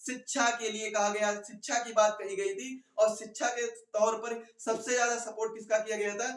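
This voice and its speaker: A man's voice: high voice, level tone, moderate pace, a bit bright. A man teaches an online exam class. He explains step by step, repeats important phrases and asks his listeners questions. The sound is echoey, picked up some way from the mic. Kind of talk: explanatory online lecture to students. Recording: echoey room, distant mic.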